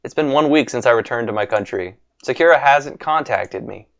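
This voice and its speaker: A man's voice: medium pitch, fairly quick, gravelly, highs cut off. A young man hosting a casual game video, reading the lines aloud and laughing self-consciously. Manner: giggly, self-conscious and animated. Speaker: gaming video host. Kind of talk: casual let's-play commentary and reading aloud. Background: faint game music.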